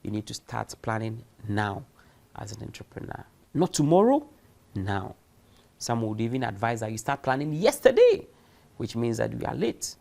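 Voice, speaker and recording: Lively, gravelly male lecturer. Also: mid-range voice, normal speed. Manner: emphatic, uses rhetorical questions and acted-out examples. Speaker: university lecturer. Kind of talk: recorded distance-learning lecture.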